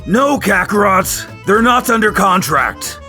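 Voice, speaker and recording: A man's voice: sits high, lively intonation, measured pace, sharp tone, soft background music, voice pushed up, exaggerated voice. A man voicing a stern, exasperated older-brother alien warrior who scolds and commands in a dramatic narration. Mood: alarmed, scolding.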